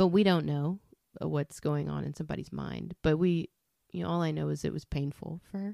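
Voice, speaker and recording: This woman speaks with an American accent at a fairly quick pace. The sound is dry and close, with no echo. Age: 30s. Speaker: guest, mom. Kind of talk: casual chat.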